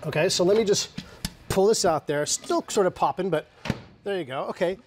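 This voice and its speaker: A man's voice: sits high, a little fast, darkish tone, slight background noise. A middle-aged man giving a casual, enthusiastic live cooking demonstration for shopping television, talking as he works. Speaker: guest product demonstrator and cook. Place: TV studio kitchen set.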